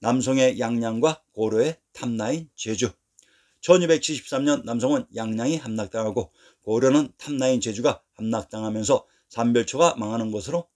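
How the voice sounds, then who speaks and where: Man reading a steady history narration. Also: mid-range voice. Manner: steady, measured reading of dates and place names. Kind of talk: scripted narration.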